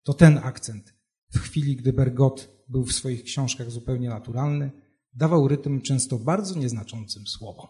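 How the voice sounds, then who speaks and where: A man who hosts a literary discussion, reading a prose passage aloud in a steady voice and then talking about it with some hesitation. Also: medium pitch, moderate pace, slightly rough.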